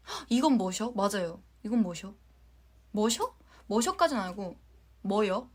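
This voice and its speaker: A young woman from Jeonju with a light Jeolla accent, chatting casually with fans on a livestream, giggling and sometimes dropping into a soft whisper. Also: mid-range voice, animated, unhurried, husky. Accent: light Jeolla Korean. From Jeonju, Korea. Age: young adult. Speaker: idol livestream host.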